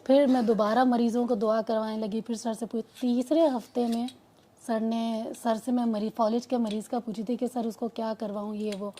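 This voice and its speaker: A woman recounts her own experience as a personal testimony. She speaks in a somewhat high yet mellow, soft-edged voice. She rambles earnestly, breaks off and restarts her sentences, and acts out the conversations she describes. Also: little pitch movement, a little hiss or hum. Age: adult mother. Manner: earnest, rambling storytelling with many restarts and quoted dialogue. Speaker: client giving a testimonial.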